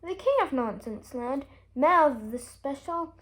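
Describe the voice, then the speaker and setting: A woman reading a children's storybook aloud with expressive, emphatic delivery. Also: sits high, slow. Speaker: story reader.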